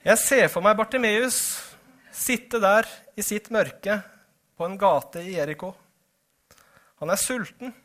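A middle-aged male preacher with a high voice. He talks earnestly and straight to the people in front of him, now and then asking them questions. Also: long pauses, a bit bright. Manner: earnest, addresses the congregation directly. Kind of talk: sermon.

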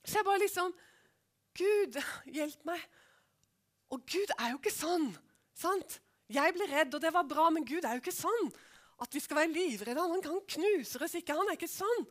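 A middle-aged woman preacher giving a personal testimony in an animated storytelling way, often asking her listeners if they follow. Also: extremely high pitch. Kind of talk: testimony sermon.

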